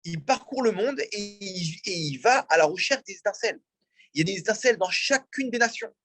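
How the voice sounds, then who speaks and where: A man's voice: high-pitched, expressive, fairly quick, bright, forceful tone, no echo. A man, a rabbi, teaching a religious class and asking his audience questions as he explains. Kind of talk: religious lecture. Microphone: in-room mic, also streamed on a video call.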